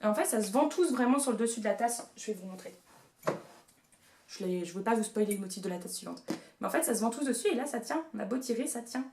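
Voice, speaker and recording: A young woman in her twenties talks through a shopping haul at home, gushing over every find with playful asides. Her voice sits on the higher side. The camera mic picks up a noticeably echoey room. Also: animated, quick pace, mellow, a little hiss or hum. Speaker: beauty and haul vlogger. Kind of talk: casual haul video chat.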